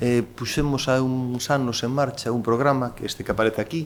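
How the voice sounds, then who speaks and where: This is a man with a Galician accent. His intonation is fairly even. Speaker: regional government official. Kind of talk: conference speech. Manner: halting.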